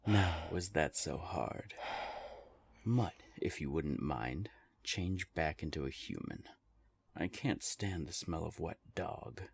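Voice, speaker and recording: Guy doing a really deep gravelly old vampire, snooty n mocking, audio drama villain. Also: slow, heavily acted. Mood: haughty disdain. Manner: condescending, taunting, theatrical. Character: haughty centuries-old vampire, mocking and menacing.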